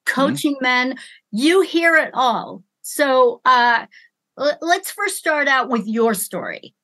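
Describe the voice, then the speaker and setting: A woman podcast host with a high, bright voice. She speaks theatrically and leans on repeated phrases for emphasis, as if presenting each point on stage. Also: animated, slow, poor audio. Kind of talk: interview with a showy introduction.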